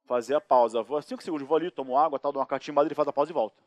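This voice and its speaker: A man with a Brazilian accent lecturing on criminal law, lively and joking, acting out anecdotes and asking rhetorical questions in a recorded course. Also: a little high, racing, dry recording. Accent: Brazilian Portuguese.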